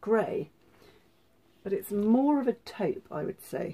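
A woman's voice has vocal fry and lively intonation. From Scotland. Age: 40s. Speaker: fashion vlogger. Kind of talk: haul video. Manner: casual and chatty. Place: home room. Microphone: phone near.

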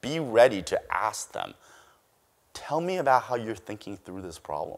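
A man speaks at a fairly slow pace with a Chinese accent, vocal fry, and very wide pitch swings. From immigrated to US as child from Chinese-speaking country. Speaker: school superintendent. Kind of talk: conference keynote. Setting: stage with audience. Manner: casual, conversational with filler words. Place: stage. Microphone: lapel.

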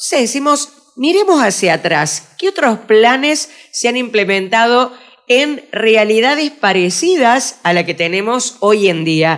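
Against a quiet background, a woman speaks at a fairly slow pace in a fairly high pitch, her voice making very wide pitch swings. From Argentina. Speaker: radio host. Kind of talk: radio interview. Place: studio. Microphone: studio mic.

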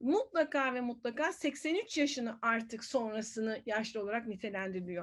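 A woman with a high pitch and ordinary pitch variation talks at a moderate pace in a very clean recording with a silent background. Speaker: education consultant. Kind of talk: lecture.

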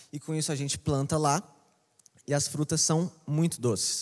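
A fairly high-pitched man speaking at a fairly slow pace over a quiet background. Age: 20s. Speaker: youth church worker, preacher; preacher. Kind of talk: sermon. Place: church. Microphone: handheld.

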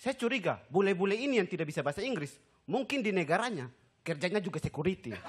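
A man talks at a very fast pace and a high pitch. The background is quiet. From Kupang, East Nusa Tenggara, Indonesia. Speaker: stand-up comedian, audition contestant. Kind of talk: stand-up comedy set, audition. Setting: stage with audience. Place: stage. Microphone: handheld.

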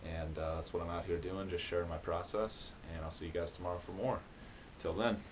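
Noticeable background noise sits behind a man with a very deep, low pitch. He sounds somewhat breathy and talks at a fairly quick pace. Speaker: music vlogger and guitarist. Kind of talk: casual vlog monologue. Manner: upbeat, enthusiastic. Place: home room. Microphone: camera far.

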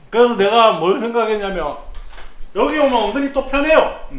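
A man's high-pitched voice amid audible room echo. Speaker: live streamer. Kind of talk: casual stream chat. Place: home room.

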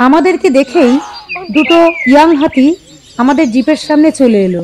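Noticeable background noise fills the recording. The voice carries lively intonation. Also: woman, high pitch for a woman. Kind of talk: travel documentary narration.

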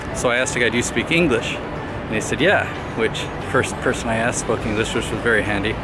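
A man talking very fast over background music, with a dry sound and no echo. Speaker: travel vlogger. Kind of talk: casual vlog chat. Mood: curious, upbeat. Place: street. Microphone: phone near.

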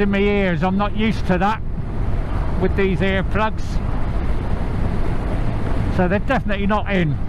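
With noticeable background noise but a dry sound with no echo, a man talks at a moderate pace. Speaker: motorbike rider vlogger. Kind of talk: casual vlog chat. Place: motorbike. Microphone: helmet.

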